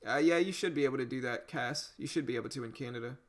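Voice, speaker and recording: A man's voice: medium pitch, fast. A man from Louisiana with a slight Cajun accent, casually chatting with viewers as host of a day-trading livestream. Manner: relaxed, conversational, says "you know" a lot. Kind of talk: casual livestream chat reading viewer comments.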